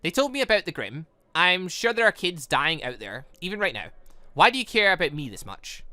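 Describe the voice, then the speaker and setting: A man's voice: high voice, big pitch swings, a little fast, sharp tone, dry recording, heavily acted. A man voicing a frank, questioning girl, an artificially created being, in a visual novel. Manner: frank, matter-of-fact, questioning. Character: blunt, curious artificially created girl who loves sweets. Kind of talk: visual novel character reading.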